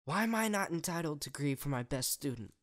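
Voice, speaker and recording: A man's voice: fairly high pitch, lively intonation, a little fast, fairly bright tone, pitched above the performer's own voice. A man voicing a regal pony princess, stern, commanding and full of grief, in a story reading. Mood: furious. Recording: faint music behind the voice.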